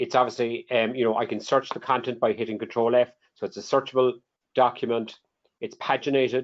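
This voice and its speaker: A man with a Cork accent at medium pitch, talking very fast in a monotone, flat delivery. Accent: Irish, Cork. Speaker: software company chief executive. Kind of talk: product demo webinar. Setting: home, remote webinar. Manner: halting, many repeated words.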